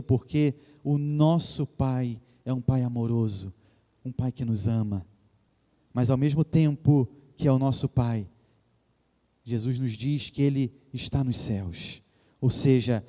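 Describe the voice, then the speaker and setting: A pastor from Rio de Janeiro, speaking Brazilian Portuguese with a Rio accent, preaches earnestly and reverently in a church sanctuary, often calling his congregation "queridos" ("dear ones"). His mid-range voice is dark-toned and measured. Long church reverb fills the recording.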